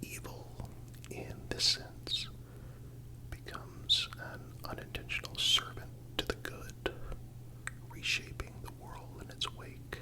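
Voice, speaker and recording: A person narrating a scripted philosophical ASMR piece in a soft, breathy, unvoiced whisper, with a soothing, measured, contemplative manner. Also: low-quality recording.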